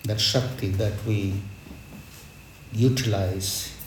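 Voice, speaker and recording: Slow, reverent man preaching in an echoey space. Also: on the low side, fairly even intonation. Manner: reverent, measured, reflective, with deliberate pauses. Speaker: spiritual teacher leading a devotional gathering. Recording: echoey space with background noise.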